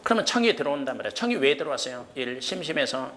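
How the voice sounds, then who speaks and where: A man lectures a room of exam students in a medium-pitched voice. He is quick and blunt, and he constantly throws questions at the class and then answers them himself. Faint room noise sits behind him. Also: big pitch swings, fairly bright tone. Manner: blunt and joking, with casual rough slang. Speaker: exam prep history lecturer. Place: cram school lecture room.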